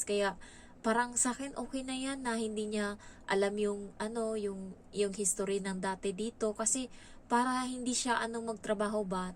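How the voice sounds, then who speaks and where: A woman from the Philippines chatting casually in a storytelling vlog, lively and animated as she quotes the people in her story. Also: mid-range voice, a little hiss or hum. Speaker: vlogger, domestic helper.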